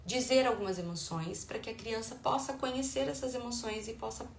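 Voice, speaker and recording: A woman's voice: a little high, a little fast, vocal fry. A middle-aged woman with a Brazilian Portuguese accent talks parents through advice as a parenting educator. She explains patiently, at times acting out what she says to her children. The room is echoey with a faint hum of ambient noise behind her. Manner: warm explanatory tone, acts out dialogue with her children.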